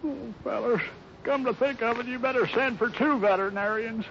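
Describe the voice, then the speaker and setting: An actor playing a flustered, cowardly, folksy old cowhand with sputtering, rustic, ungrammatical talk in a 1950s radio western. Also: male voice, very high voice, brisk. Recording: muffled, slightly noisy 1950s radio recording.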